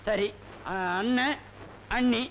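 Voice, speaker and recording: A very high, fussy male photographer bosses customers into poses and plots spiteful tricks. The sound is dull and muffled, with a faint hiss, like an old film print. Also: takes it slowly, a bit bright, exaggerated voice. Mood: scheming. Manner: fussy, bossy. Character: scheming comic male photographer, spiteful and gleeful.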